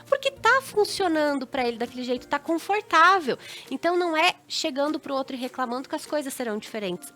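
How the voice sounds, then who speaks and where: A woman's voice: sits high, a bit bright. A woman with a Brazilian Portuguese accent giving relationship advice as a TV guest, instructive, acting out little dialogues. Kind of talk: advice talk on a TV show.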